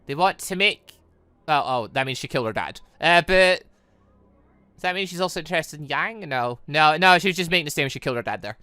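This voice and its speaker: Animated, bright-voiced man doing gaming commentary. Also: a little high, fast, clear, resonant tone, no echo. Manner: animated, reacting and interjecting mid-reading. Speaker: gaming channel host. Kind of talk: casual let's-play commentary, reading visual novel dialogue aloud.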